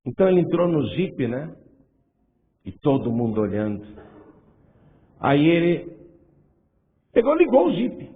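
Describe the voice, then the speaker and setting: A man's voice: on the high side, big pitch swings, unhurried, long pauses. A man with a Brazilian Portuguese accent, a pastor preaching a sermon in a church hall, telling stories with animation and building to fervent appeals. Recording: tinny lo-fi church recording with long reverb.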